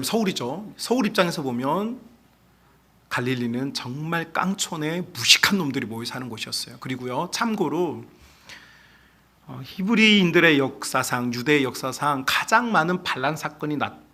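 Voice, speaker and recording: Lively, bright-voiced male pastor preaching. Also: a little high. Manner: animated, asks the congregation questions; acts out quoted speech in other voices. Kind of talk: sermon.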